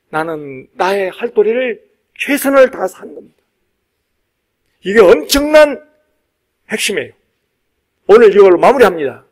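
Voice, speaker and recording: A male Buddhist monk delivers a dharma talk in a high-pitched voice. His intonation rises and falls dramatically as he urges his listeners on. He repeats key phrases and leaves pauses for emphasis. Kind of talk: sermon to a live congregation.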